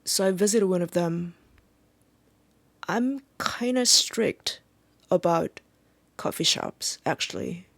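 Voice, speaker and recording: A Korean-accented speaker, a native Korean speaker, talking in a halting, reflective vlog monologue and often pausing to search for words. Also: mid-range voice, creaky, a bit bright, no room sound. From South Korea. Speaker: vlogger.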